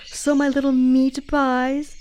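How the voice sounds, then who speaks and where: A woman's voice: high voice, flat delivery, slow pace, highs cut off, noisy background. A woman playing a sinister old granny storyteller in a horror radio play, drawling with folksy, menacing sweetness. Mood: gleeful, sinister.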